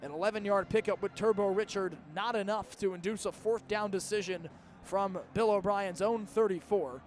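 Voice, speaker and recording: A man's voice: high-pitched, steady tone, normal speed. A man in his early twenties calling live American football play-by-play in the style of a radio broadcast. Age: early 20s. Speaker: play-by-play sports announcer. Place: outdoor stadium broadcast position.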